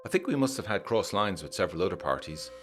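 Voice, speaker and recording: A man narrating a letter in a measured, formal, old-fashioned manner for a gothic audio drama. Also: deep voice, very animated, music in the background. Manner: measured, formal period storytelling.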